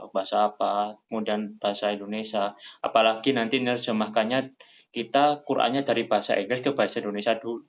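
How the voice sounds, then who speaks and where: A man hosting a casual religious study talk, animated, his voice climbing high when he quotes people. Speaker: study session host. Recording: dull lo-fi sound.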